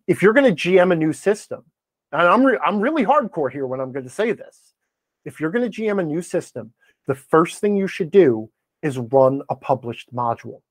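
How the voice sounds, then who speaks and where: Male podcast guest, voice a touch high, dry recording. Blunt, emphatic, opinionated conversational delivery. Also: very animated, normal speed, no echo. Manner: emphatic, blunt, acts out imagined remarks. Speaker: podcast guest, game blogger and game master.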